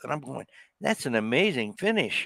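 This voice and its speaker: An American accent marks this man's voice, which makes very wide pitch swings on a dry, close recording with no echo that is very clean and has a silent background. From Ohio, Dayton area. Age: 70s. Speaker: miniatures company owner, Air Force veteran. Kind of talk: casual interview chat.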